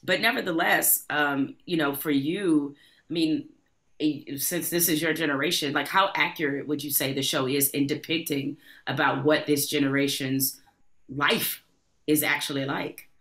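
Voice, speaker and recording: Middle-aged woman, podcast host, bright forceful tone, conversational, measured questions, close podcast mic, home room. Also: deep voice, fairly even intonation. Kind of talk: interview. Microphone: studio podcast mic close up.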